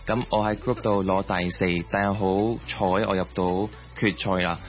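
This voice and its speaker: A low male voice with tells personal stories as a radio guest, mixing in English words. The sound is a little dull, with music playing behind him. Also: steady tone, normal speed. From Hong Kong. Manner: mixes English words into Cantonese. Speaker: interview guest, sports coach. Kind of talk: personal storytelling in a radio interview.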